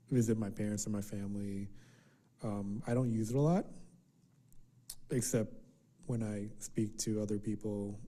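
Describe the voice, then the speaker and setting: A man whose first language is Vietnamese, giving a thoughtful personal narrative in an interview, pausing with fillers as he talks. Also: on the low side, warm tone. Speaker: interviewee in heritage language archive.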